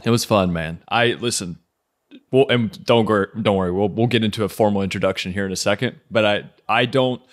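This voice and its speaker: A raspy, hoarse man sits in the host's chair, his voice sitting fairly low. He is excitable and laughs easily, tripping over and repeating words as he goes. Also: brisk. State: hoarse after a weekend of celebrating. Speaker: podcast host. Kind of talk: casual interview chat.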